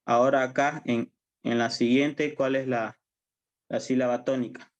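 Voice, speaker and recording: A man's voice: mid-range voice, fairly even intonation, measured pace, highs cut off. A man with a Bolivian accent teaching a university language class. He explains patiently, repeats himself and keeps checking that students follow. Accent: Bolivian Spanish. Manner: patient, repetitive, checks understanding often. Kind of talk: online class lecture.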